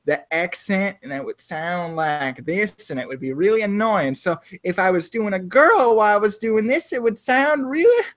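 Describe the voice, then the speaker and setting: A man's voice: high-pitched, animated, normal speed, a bit bright. A man from South Florida with no accent, running a tabletop game as game master and talking casually with lots of fillers. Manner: chatty, full of "like" and restarts.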